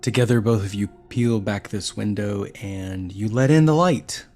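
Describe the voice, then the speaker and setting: Male game master, low register, narrating a tabletop role-playing session. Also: normal speed, a little mellow, soft background music.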